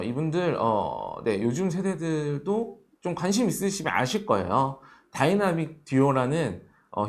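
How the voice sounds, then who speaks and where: Male host, thirties, explaining money to young adults; earnest, repetitive, lively delivery. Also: fairly high pitch. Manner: earnest, repeats points with "ne" fillers. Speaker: host of an economics show.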